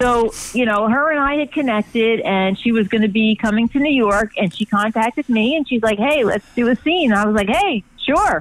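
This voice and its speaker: A woman's unremarkable speaking voice, fairly high in pitch with ordinary pitch variation, at a moderate pace with hardly any pauses, very even loudness and a dry, close sound with no echo. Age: 50s. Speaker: adult film actress. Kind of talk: interview.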